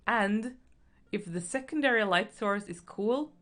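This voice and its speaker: A young woman streaming while she paints, chatting casually and thinking out loud, with lots of fillers and giggles. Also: mid-range voice, a little slow. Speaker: artist streaming a painting session. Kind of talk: casual stream-of-consciousness chat. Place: indoors at home. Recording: faint background music.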